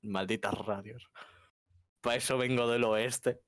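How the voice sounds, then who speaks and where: A man's voice: mid-range voice, fairly even intonation, slow. A man with an accent from Spain, chatting casually with gaming friends over voice chat. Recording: clearly noisy voice chat.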